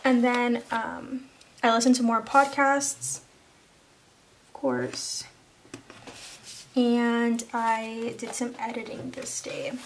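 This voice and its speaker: Young woman talking thru her planner, kinda high voice, slow and chatty, noisy recording. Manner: chatty, slips into soft whispers at times. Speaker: planner vlogger. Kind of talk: casual voice-over narration. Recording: background noise.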